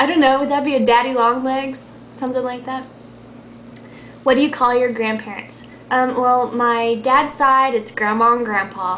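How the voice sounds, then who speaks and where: A woman's high-pitched voice with fairly even intonation over light background noise. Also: moderate pace. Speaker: vlogger. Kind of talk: casual talk to camera. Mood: cheerful, relaxed. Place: home room. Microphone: phone near.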